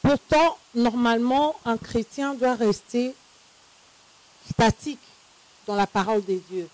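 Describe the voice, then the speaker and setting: A woman hosting a Christian talk show, speaking slowly with frequent hesitations. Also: fairly high pitch, a little mellow, low-quality recording. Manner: slow, measured, with frequent hesitations. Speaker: host.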